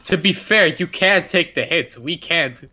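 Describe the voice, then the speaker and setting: A man's voice: on the high side, lively intonation, measured pace, sharp tone. A man playing a tabletop roleplay game, trading casual, teasing banter with the other players.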